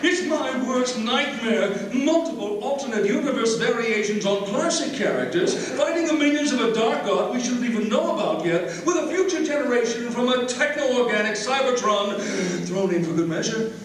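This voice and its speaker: A man's voice: extremely high pitch, animated, normal speed, slight background noise. A man playing an anxious, wry and chatty robot onlooker in a live dramatic script reading. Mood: wry dread. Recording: echoey hall, far off, faint crowd.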